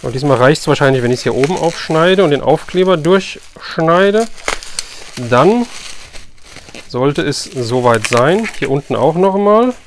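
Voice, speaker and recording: A man's voice: a little high, expressive, measured pace, a little hiss or hum. A man presenting a collector's unboxing video in casual, enthusiastic, colloquial chat, often repeating phrases for emphasis.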